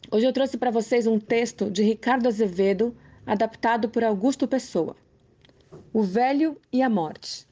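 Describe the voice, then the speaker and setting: A woman narrating a folk tale in an expressive, measured storybook reading for radio listeners. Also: a little high, muffled recording. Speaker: guest storyteller.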